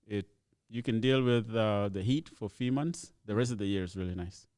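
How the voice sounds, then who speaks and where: Laid-back man, low voice. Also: fairly quick, darkish tone, dry recording, studio quality. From Ethiopia. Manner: easygoing storyteller, laughs often. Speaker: comedian guest. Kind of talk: casual podcast chat.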